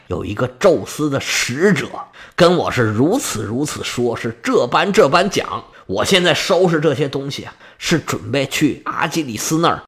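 A man voicing a stubborn old king, a grieving father who talks in a gruff, headstrong way. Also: on the high side, pushed and bright, pitched below the performer's own voice, heavily acted.

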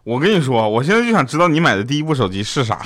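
A man's voice: mid-range voice, sing-song, rapid-fire, heavy background noise. A man, hosting a comedic podcast and telling funny stories in a chatty, joking way. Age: 30s. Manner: joking, chatty, laughs often. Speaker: podcast host. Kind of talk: comedic storytelling chat.

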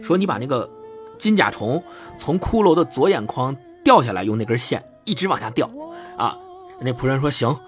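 A man casually retelling a story as a podcast host, lively and acting out the dialogue with shifting pitch. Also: moderate pace, soft background music.

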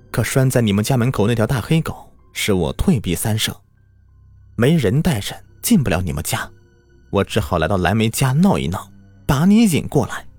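A man's voice: fairly low pitch, darkish tone, no room sound. A man voicing a smug, haughty white fox spirit that has possessed a village wife, speaking in a sneering, mocking way. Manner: sneering, mocking, nasal snorts.

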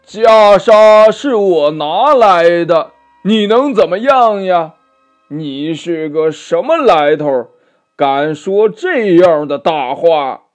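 A man's voice: high voice, big pitch swings, darkish tone, faint music behind, pitched above the performer's own voice, heavily acted. A man voicing a boastful black demon king who drawls and mocks in a storybook reading. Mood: mocking. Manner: slow, mocking laughter.

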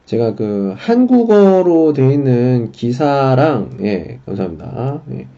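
A man teaching a casual livestream language lesson, unhurried and dropping in frequent filler acknowledgements. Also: medium pitch, very animated, mellow, lo-fi sound.

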